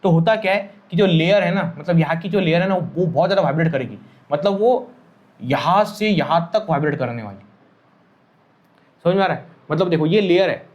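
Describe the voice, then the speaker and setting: A man's voice: on the high side, fairly quick, dull audio. A man teaching a physics lesson, repeating key phrases and often checking that students follow, mixing in English terms. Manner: mixes Hindi with English terms. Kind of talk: classroom lecture.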